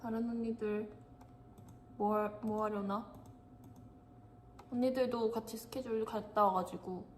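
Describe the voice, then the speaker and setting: A woman's voice: a little high, steady tone, a little slow, pauses often, a little hiss or hum. A young woman hosting a casual livestream, chatting and giggling as she talks straight to her viewers.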